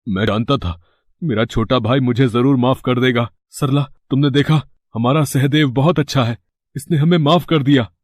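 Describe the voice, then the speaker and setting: A man's voice: medium pitch, normal speed, no echo, clean studio sound, close to an everyday voice. A man voicing a greedy, scheming elder brother in a cartoon story, wheedling and putting on fake tears. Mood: fawning. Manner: wheedling, fake-weeping, then panicked. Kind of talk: cartoon voice acting.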